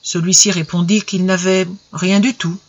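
A storyteller reads an old tale at an even, measured pace, giving the lines gentle expression. The recording is dull and lo-fi, with a muffled top end. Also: mid-range voice, slight background noise. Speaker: narrator. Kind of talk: audiobook story reading.

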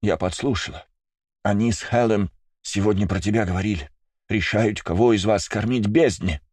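A man voicing a timid young girl with rabbit ears, speaking in a hushed, hesitant whisper. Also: on the low side, normal speed, husky, no echo, clean studio sound. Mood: confiding.

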